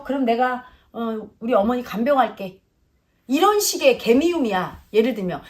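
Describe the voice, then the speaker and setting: A middle-aged woman giving a casual spiritual talk, lecturing and acting out quoted voices. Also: high voice. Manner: lecturing, acts out quoted voices, drifts between plain and polite speech. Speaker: spiritual teacher.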